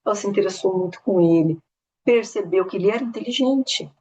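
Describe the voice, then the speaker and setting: A Brazilian woman casually retelling a story at a spiritist study talk, animated, with many tag questions and restarts. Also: medium pitch, fairly quick, lo-fi sound. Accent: São Paulo interior Brazilian Portuguese.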